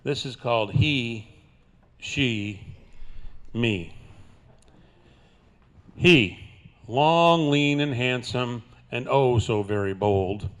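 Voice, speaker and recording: Older male cowboy poet, mid-pitched folksy twang, unhurried dramatic delivery for live recital and banter. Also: clean tone. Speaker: cowboy poet performing at a senior center. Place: live before an audience at a senior center.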